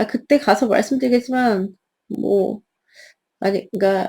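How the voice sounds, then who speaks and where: Her voice has a dark, mellow tone, and the woman speaks at a medium pitch with ordinary pitch variation. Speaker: tarot reader. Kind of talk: casual chat. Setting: lying in bed, home livestream. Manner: animated, energetic; halting, many fillers and restarts.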